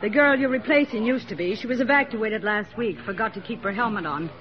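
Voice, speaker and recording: An actress playing a clipped nurse commandant. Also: female voice, on the high side, a little fast, close to an everyday voice. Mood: matter-of-fact. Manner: clipped, matter-of-fact. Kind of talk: 1940s radio acting. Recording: dull old radio recording.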